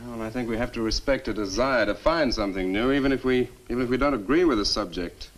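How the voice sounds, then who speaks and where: An actor playing a skeptical, argumentative scientist in a 1960 horror film, with a brisk, emphatic manner. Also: male voice, medium pitch, lightly acted, rough recording. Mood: resigned.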